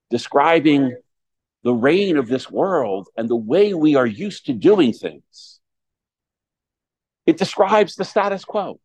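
A man speaking as a Catholic priest, reading scripture and preaching in a measured, deliberate way with dramatic pauses. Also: medium pitch, darkish tone, poor audio. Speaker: Catholic priest giving a homily.

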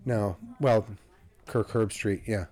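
A man's voice: on the low side, slow pace, darkish tone. A man co-hosting a podcast, chatting casually about sports in a rambling, self-correcting way. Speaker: podcast co-host.

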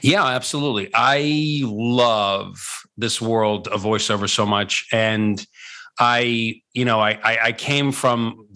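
Male, middle-aged, medium pitch. Interview guest and coach, conversational storyteller with emphatic, repeated phrasing. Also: fairly even intonation, takes it slowly, bright, forceful tone. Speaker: guest, voice-over coach and former voice actor.

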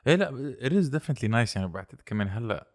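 A man's voice: medium pitch, very animated, racing. A man with a Lebanese Levantine accent hosting a casual conversation, asking questions and switching between Arabic and English.

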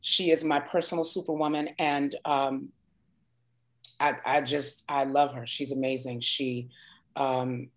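A woman in her forties from New York, a singer chatting as a guest in an interview and telling stories in an expressive, emphatic way. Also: very deep voice, measured pace. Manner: warm, expressive storyteller with emphatic asides. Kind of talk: casual interview chat.

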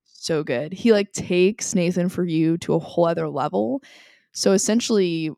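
Woman, podcast co-host, casual chat, chatty, laughs often, low-ish pitch, dry sound. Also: moderate pace, vocal fry, warm tone, dry recording.

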